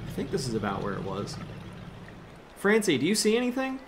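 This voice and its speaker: A man's voice: fairly high pitch, wildly swooping pitch, brisk. A man playing a goofy, carefree young handyman in an audio drama, with a casual, breezy delivery. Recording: outdoor water ambience, faint noise.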